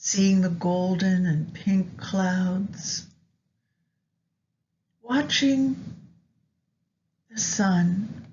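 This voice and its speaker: A woman narrating a guided meditation in a gentle, soothing, unhurried manner with long pauses. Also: medium pitch, fairly even intonation. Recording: dull lo-fi audio with background noise.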